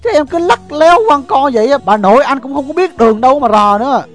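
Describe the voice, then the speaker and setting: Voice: high voice, lively intonation, fast, soft background music. A performer voicing a coaxing, bantering young rural boyfriend in an audio story. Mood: exasperated. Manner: bantering, wheedling.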